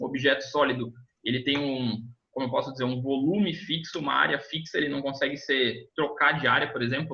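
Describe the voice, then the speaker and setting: A fairly high-pitched man is speaking. He moves at a fairly quick pace, his pitch varying in an ordinary way. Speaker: teacher. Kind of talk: online class. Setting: video call. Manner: fast.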